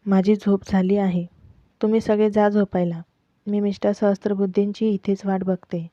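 A woman's voice: mid-range voice, little pitch movement, normal speed, warm tone, no echo, lightly acted. A woman voicing a young pregnant wife who presses everyone with pleading, insistent questions about her missing husband. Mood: stubborn. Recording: dull lo-fi, dry close mic.

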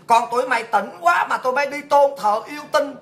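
A woman's voice: high-pitched, animated, a little fast. A woman from Vietnam hosting a livestream show, delivering an abusive, mocking tirade full of rhetorical questions. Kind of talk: livestream rant.

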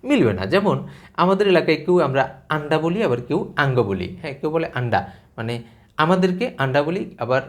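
A man explaining at length, speaking straight to the listener in a measured, lecturing way and piling up examples. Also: a little high, sing-song. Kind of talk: explanatory talk to camera.

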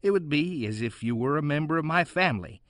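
A man playing a gentle, merciful gardener who speaks in a formal, old-fashioned way in an audio drama. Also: fairly high pitch, lively intonation, brisk, dry recording, clean studio sound. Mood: kindly, solemn.

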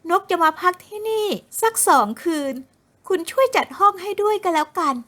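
A woman doing a shrill, spoiled young woman. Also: moderate pace, bright, forceful tone. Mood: sweet pushy. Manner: whiny, high-pitched, sulky. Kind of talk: audiobook character voice.

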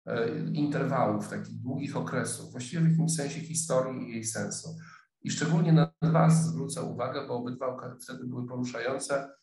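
A middle-aged man talks through a lecture from his office over a webcam. His voice sits at an ordinary pitch, and he hesitates often, filling pauses and restarting sentences. The room adds a noticeable echo. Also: a little mellow. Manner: thoughtful, hesitant, many fillers and restarts. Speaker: sociologist lecturer. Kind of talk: online lecture. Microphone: webcam video call.

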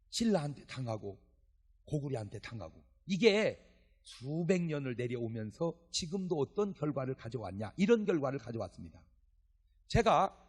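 A fairly high-voiced man preaching at a church revival service. His voice is husky, and its pitch swings widely as he tells jokey stories and acts out bits of dialogue. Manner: animated, joking storytelling with acted dialogue. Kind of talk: sermon.

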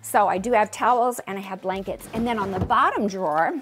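A woman's voice: medium pitch, fairly quick, music in the background. A woman in her fifties giving a chatty, self-joking tour of her newly organized closet, talking straight to the camera. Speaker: home organizing vlogger. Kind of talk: casual chatty home tour. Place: bedroom closet in a home, indoors.

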